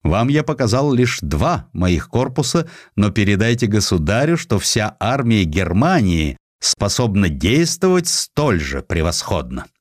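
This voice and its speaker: A man's voice: lowish voice, big pitch swings, a little slow, hardly any pauses, dry recording, clean studio sound. A man playing a proud, boastful German kaiser in a dramatized audiobook.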